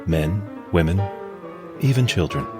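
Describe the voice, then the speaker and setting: An actor playing a gentle, devoted male companion robot in a radio drama, speaking softly and soothingly. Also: sits low, expressive, a little slow. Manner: soft, soothing and tender. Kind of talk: golden-age style radio play acting. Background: music score.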